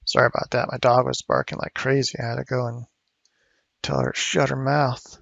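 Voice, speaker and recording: Male art instructor, mid pitch, raspy fry, relaxed thinking-aloud delivery. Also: fairly quick, dry recording, highs cut off. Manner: rambling, thinking aloud with fillers. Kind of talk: casual sculpting tutorial. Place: home studio.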